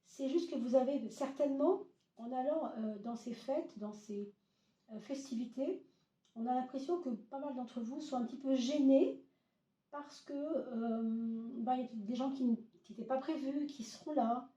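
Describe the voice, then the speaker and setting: A hoarse woman reading tarot cards in a relaxed, hesitant way, full of fillers and soft reassurances. Her voice is mellow and dark, and sits slightly high for a woman. She is set back from the mic in an echoey room. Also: normal speed, distant mic. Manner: hesitant, many fillers, gentle reassuring address. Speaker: tarot reader. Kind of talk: casual tarot reading to camera. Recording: roomy echo, voice off-mic.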